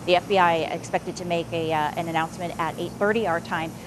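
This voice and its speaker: A woman's voice: lowish voice, steady tone, a little fast, background noise. A woman anchoring a live local morning TV newscast, talking to viewers directly in a conversational way.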